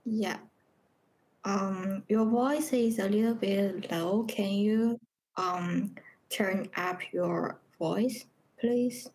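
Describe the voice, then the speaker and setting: A woman moderates an online academic session. She speaks slowly at a medium pitch. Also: a little mellow, low-quality recording.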